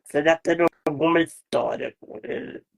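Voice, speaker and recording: A man hosting a podcast, asking unhurried questions in a casual interview. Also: fairly high pitch, creaky, slight background noise. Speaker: podcast host.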